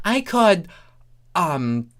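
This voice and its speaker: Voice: medium pitch, big pitch swings, extremely slow, a bit bright, voice pushed up, heavily acted. A reader plays an earnest young male changeling in a comic pony tale. The voice sits well above normal speech and lilts up and down, agreeable, gullible and hesitant. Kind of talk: comic fan fiction reading.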